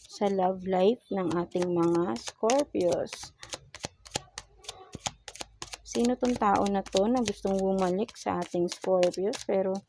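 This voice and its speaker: A woman's voice: mid-range voice, gravelly, warm tone, a little hiss or hum, low-quality recording. A woman with a Filipino accent doing a casual tarot reading, mixing Tagalog and English and asking coaxing rhetorical questions. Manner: slow, murmured pleading while drawing cards. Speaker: tarot reader.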